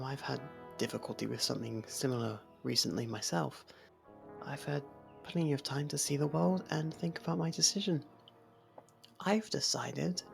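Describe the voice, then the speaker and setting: Someone doing a sly possessive fae royal, teasing n slow, bit of creak, asmr fantasy roleplay w soft music. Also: medium pitch, full character voice. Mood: coy, flirtatious. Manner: coy, teasing, slow deliberate, drifting into whispers. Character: sly, possessive faerie royal heir, courting and controlling.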